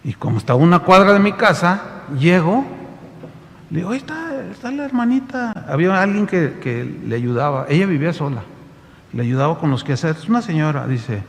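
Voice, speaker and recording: High-voiced pastor preaching animatedly. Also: male voice, brisk, big-room sound. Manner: animated, addressing the congregation directly. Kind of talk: sermon with storytelling.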